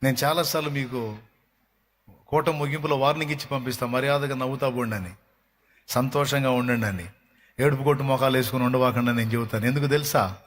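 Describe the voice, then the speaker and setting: A man preaching a sermon with a coastal Andhra Telugu accent. He talks in animated bursts and acts out back-and-forth dialogue with God. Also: medium pitch, fast. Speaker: pastor. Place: church hall.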